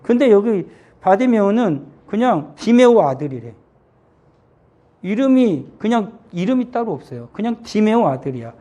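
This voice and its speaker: Middle-aged man, children's pastor, warm storytelling tone, questions the kids often. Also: high-pitched. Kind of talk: children's sermon.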